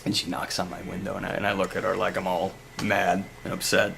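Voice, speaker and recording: A man playing a grieving, brooding asylum director in a fan web drama, speaking in a halting, deliberate way. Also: deep voice, monotone, a bit bright, heavily acted. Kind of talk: acted dramatic monologue in a fan web series. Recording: clearly noisy amateur recording with ambience.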